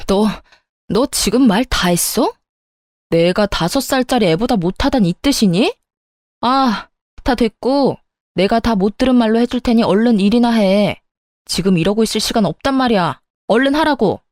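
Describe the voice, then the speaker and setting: A woman's voice: fairly high pitch, animated, moderate pace, darkish tone, dry recording, studio quality, close to an everyday voice. A woman voicing an entitled sister-in-law in an audio drama, whiny and demanding. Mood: demanding angry.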